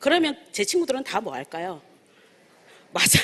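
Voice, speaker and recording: With a Daegu accent, a woman speaks in very wide pitch swings. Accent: Gyeongsang dialect (Daegu). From Daegu, South Korea. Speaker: network marketing distributor. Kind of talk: seminar talk.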